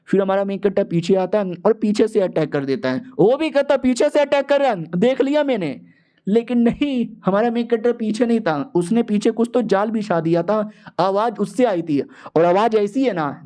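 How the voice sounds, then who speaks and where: A man's voice: high-pitched, mellow. A man narrating a comic recap, slangy and joking with his viewers as he does character voices. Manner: playful, slangy, jokey asides to viewers.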